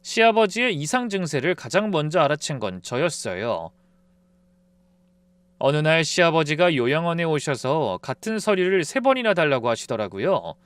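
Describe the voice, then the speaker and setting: A man narrating a first-person family drama story in a calm, confiding tone, close to the mic. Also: a little high, moderate pace, clean tone, no room sound.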